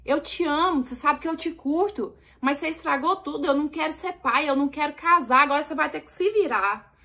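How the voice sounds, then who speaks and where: A woman's voice: high-pitched, brisk, sharp tone. A Brazilian woman quoting her blunt young boyfriend in a storytelling video, curt and scolding. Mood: angry. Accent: Brazilian Portuguese.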